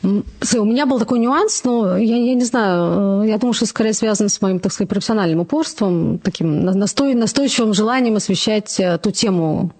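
A woman from Moscow talks in a mid-pitched voice as a guest in a relaxed interview. She is a political journalist with a reflective, measured way of phrasing things, often qualifying what she says. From Moscow-born, living in Israel.

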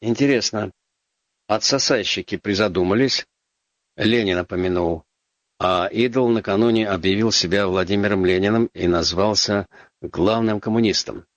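Male talk radio host, deep bass, dry studio sound, ironic, chatty, lots of hedging fillers. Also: normal speed, dry recording, muffled recording. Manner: ironic, wry asides with frequent fillers. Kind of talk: casual call-in radio talk.

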